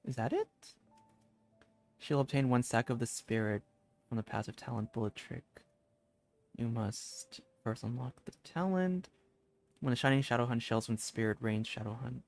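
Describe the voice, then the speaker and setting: A man doing casual livestream gameplay commentary, halting as he thinks aloud. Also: mid-range voice. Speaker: game streamer. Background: game music.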